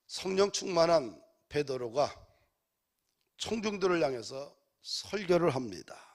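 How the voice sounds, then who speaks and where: A man's voice: on the high side, big pitch swings, unhurried. A male pastor preaching a sermon in a church, building to emphatic exhortations.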